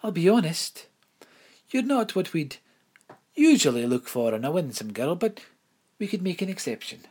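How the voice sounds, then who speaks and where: A man putting on a prim, high-voiced headmistress. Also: very animated, normal speed, pauses often, a little mellow, slightly rough. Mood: persuasive. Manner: genteel, coaxing, fussy. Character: prim genteel headmistress, woman, persuasive and sympathetic. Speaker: school headmistress.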